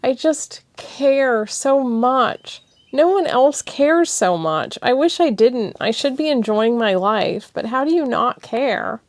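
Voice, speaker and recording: A woman voicing a passionate young woman who is crying and sniffling, speaking in high, pleading, breathless outbursts. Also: lively intonation, slow pace, a little mellow, no echo, full character voice. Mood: tearful. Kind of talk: audiobook character voice.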